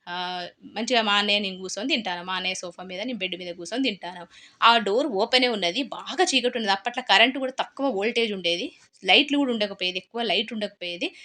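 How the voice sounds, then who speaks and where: Fast-talking woman with a Telangana accent. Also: medium pitch, bright, forceful tone. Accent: Telangana Telugu. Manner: chatty, repeats and restarts phrases. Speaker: cooking vlogger. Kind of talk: casual storytelling while cooking.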